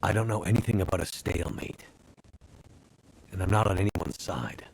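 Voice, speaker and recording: A weary male survivor in a video game. His voice sits deep with a rough fry, and he talks in short, hesitant, understated phrases. There is faint noise behind him. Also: normal speed, low-quality recording. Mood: guarded. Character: weary, guarded bush pilot Mackenzie, middle-aged man.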